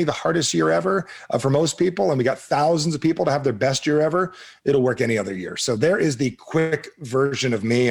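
A man's voice: medium pitch, vocal fry, breathy edge. A man from New Jersey talking casually and emphatically as an interview guest and coach. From New Jersey, United States.

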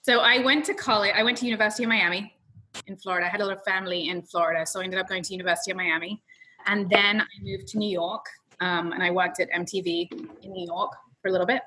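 A woman from London, England, with an English accent softened by an American twang, a realtor chatting as an interview guest. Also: medium pitch, fairly even intonation, rough recording. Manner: chatty, quick storytelling. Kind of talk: casual interview answers.

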